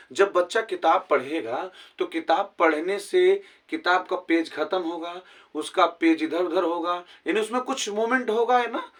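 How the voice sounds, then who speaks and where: A man's voice: sits high, fairly bright tone, distant mic. A male English teacher giving a grammar lesson with a Hindi accent, explaining step by step and often asking his students whether they have understood. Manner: asks many rhetorical questions to check understanding.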